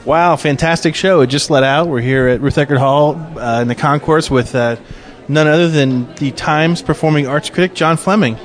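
A man's voice: a little high, normal speed, music in the background. A man hosting a podcast, chatting casually with theatergoers in a theater concourse, upbeat with lots of fillers. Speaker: podcast host interviewing theatergoers. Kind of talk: casual on-location interviewing.

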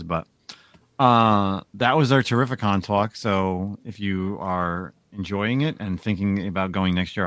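A man hosting a comic book podcast, telling a story in a casual, animated way. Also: sits low, no room sound. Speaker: podcast host. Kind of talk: casual chat.

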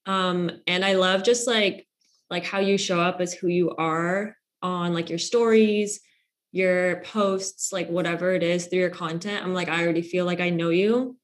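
A woman's voice: on the low side, fairly even intonation, moderate pace. A young woman hosting a podcast in a casual chat, her sentences full of "like" and fillers. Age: young adult. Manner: filler-heavy, lots of "like". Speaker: podcast host.

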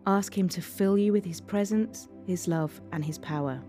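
A woman's voice: medium pitch, normal speed, mellow. A woman reading a scripted Christian devotional as its narrator. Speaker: devotional reader. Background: faint music.

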